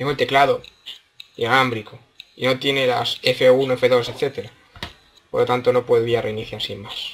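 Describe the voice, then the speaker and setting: A man speaks at a medium pitch and a fairly slow pace. Long pauses come often. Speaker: gaming youtuber. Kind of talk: gameplay commentary. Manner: animated.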